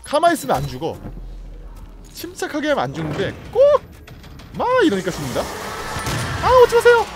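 A man's voice: high-pitched, huge pitch swings, a little fast, pauses often. A man streaming a video game, giving playful let's-play commentary and teasing and coaxing the enemies he fights. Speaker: gaming streamer. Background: game music and effects.

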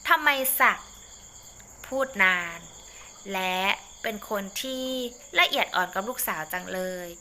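A woman narrating a short story in a polite, measured manner. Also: medium pitch, pushed and bright, a little hiss or hum. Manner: polite, measured, ends sentences with polite particle.

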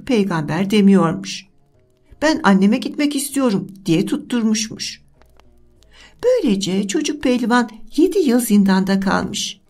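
A woman narrating a bedtime fairy tale in a gentle, measured storytelling manner. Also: medium pitch.

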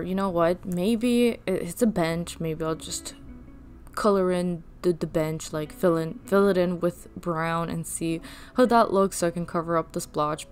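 A young woman whose first language is Russian, rambling chattily in a casual voice-over while she draws, with fillers and laughs. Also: mid-range voice. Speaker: art channel host.

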